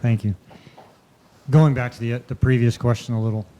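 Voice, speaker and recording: A man's voice: mid-range voice, steady tone, normal speed, warm tone, a little hiss or hum. A man in the audience sharing a hesitant, reflective comment. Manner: hesitant, reflective, restarts often. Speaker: audience member.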